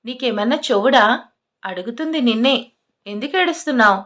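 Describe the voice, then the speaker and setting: A woman's voice: a little high, measured pace, lightly acted. A woman reading an irritated young man. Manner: irritated, scolding. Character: angry, blunt young man, quick to anger.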